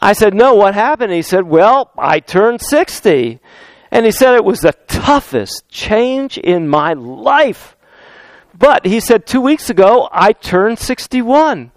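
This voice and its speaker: A man with a fairly high, smooth and resonant voice, preaching a sermon. He weaves in stories and scripture and draws out key phrases for emphasis. The sound is close and dry. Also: big pitch swings, dry recording. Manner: storytelling with anecdotes and scripture, slows down for emphasis. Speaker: pastor.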